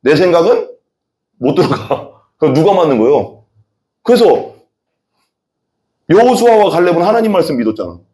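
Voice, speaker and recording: Korean pastor preaching with lively acted quotes. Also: male voice, on the high side, normal speed, pauses often. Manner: animated, acts out voices in quoted dialogue; asks the congregation questions and has them repeat. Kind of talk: sermon.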